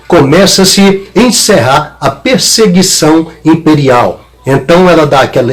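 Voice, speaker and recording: A man, a pastor giving a conversational Bible teaching and often checking in with his listeners. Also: on the high side.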